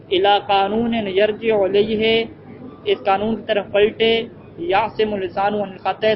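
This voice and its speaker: A male teacher lecturing a class, explaining an Arabic text line by line, answering his own questions and reading the Arabic slowly. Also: high voice. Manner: asks rhetorical questions and answers them, reads Arabic phrases slowly. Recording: muffled with heavy background noise.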